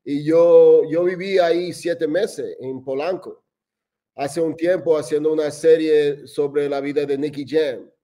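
A man's voice: on the high side, steady tone, a little slow, mellow. A man directing commercials, answering interview questions in a loose, meandering way and dropping in fillers. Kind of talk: casual interview conversation.

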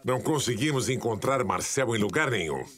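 A man's voice: mid-range voice, expressive, brisk, background noise, natural voice. An actor playing a cautious, commanding male police chief in an audio drama, authoritative and wary. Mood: worried, cautious.

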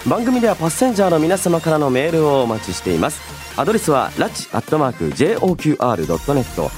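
A man's voice: a little high, racing. A man hosting a radio show in a chatty, playful yet polite way, moving between banter and announcements. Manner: playful, polite, animated delivery. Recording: voice over background music. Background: background music.

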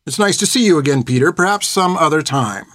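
A man's voice: on the high side, animated, brisk, a bit bright, no echo, pitched above the performer's own voice. A stern, haughty older nun, played by a male narrator with a lifted, prim voice. She gives clipped commands and expects to be obeyed. The recording is dry.

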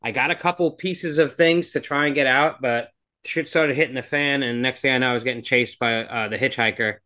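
A man co-hosting a podcast who talks in loose, rambling sentences. His pitch sits in the middle, neither high nor low. He swears now and then in a relaxed, casual way. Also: fairly quick. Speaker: podcast co-host. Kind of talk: casual chat.

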